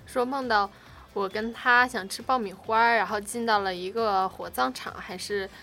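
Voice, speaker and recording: A woman's voice: mid-range voice, steady tone, normal speed, bright, forceful tone. A young woman co-hosting a casual late-night chat show, telling stories in a rambling way with lots of fillers. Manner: rambling storyteller, many fillers. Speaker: co-host.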